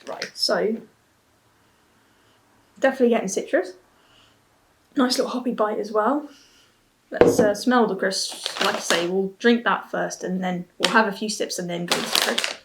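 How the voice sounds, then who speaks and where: A woman's voice: mid-range voice, moderate pace, long pauses, heavy background noise. A woman in her twenties giving a casual review to camera, musing and often restarting her thoughts. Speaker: beer and snack reviewer. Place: small plain room at home, seated at a table.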